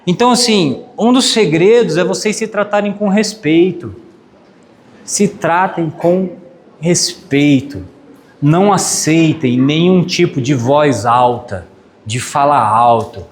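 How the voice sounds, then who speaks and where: Brazilian pastor, animated storyteller. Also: male voice, a little high, takes it slowly, a little hiss or hum. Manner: animated, emphatic storytelling with sound effects. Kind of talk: sermon with humorous anecdote.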